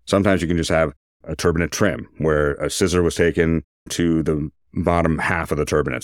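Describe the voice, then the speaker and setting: A man's voice: a bass voice, dry recording, studio quality. A man speaking as a surgeon, giving an informal, detailed medical explanation in a conversational way.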